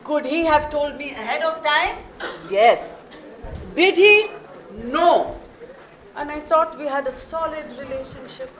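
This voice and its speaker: A prickly, jilted office worker played by a woman in a comic stage play. Her voice is high, and she speaks with exasperated emphasis, trying to keep everyone in order. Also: animated, a little slow, fairly bright tone. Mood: indignant. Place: live stage at a literature festival.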